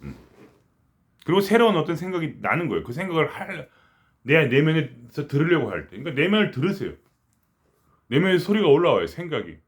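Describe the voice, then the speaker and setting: A middle-aged man giving a casual spiritual talk, rambling and conversational, with frequent restarts and quiet murmured asides. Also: fairly high pitch, big pitch swings, brisk, long pauses. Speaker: spiritual teacher.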